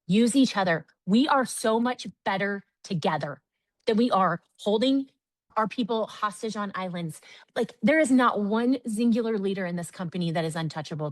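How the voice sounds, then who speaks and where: A woman giving an energetic, chatty sales training talk, often calling her audience "guys". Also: medium pitch, no echo, rough recording. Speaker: network marketing trainer.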